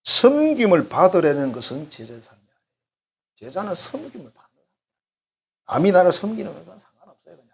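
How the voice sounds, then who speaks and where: Middle-aged male pastor, husky and animated, a folksy, joking sermon delivery. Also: high-pitched, fairly quick, long pauses. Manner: conversational, joking, acts out little dialogues. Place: church sanctuary.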